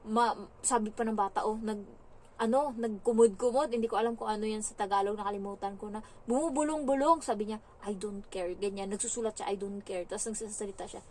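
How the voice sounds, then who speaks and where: A young woman from the Philippines, a domestic helper telling stories in a casual vlog, chatty and animated with lots of fillers. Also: medium pitch, quick pace.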